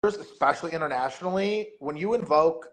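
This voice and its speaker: A man's voice: fairly high pitch, a little fast. A man talking casually as a podcast guest, rambling with lots of filler words. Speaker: guest, meet director and MC.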